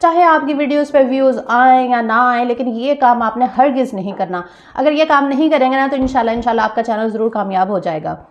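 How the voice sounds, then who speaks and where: A woman vlogger with a slightly hoarse throat, chatting casually to viewers in a small store room and repeating her points. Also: a little high, fairly quick, lo-fi sound. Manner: chatty, repeats phrases, addresses viewers directly. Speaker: vlogger giving channel tips. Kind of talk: casual vlog talk.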